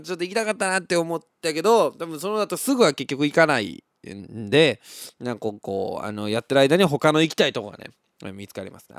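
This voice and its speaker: A young man with a lilt chats his way through listener mail, his voice rising and falling in lively swings. He laughs easily and tosses in playful sound effects as he tells stories. The sound is dry and close, with no room around it. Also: fairly high pitch, no room sound. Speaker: podcast host reading listener messages. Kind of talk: casual chat.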